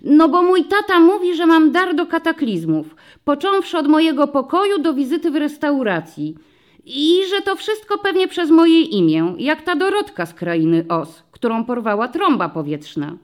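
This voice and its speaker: A woman voicing a bold, chatty little first-grade girl in an audiobook story, speaking high and eager. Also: sing-song, moderate pace.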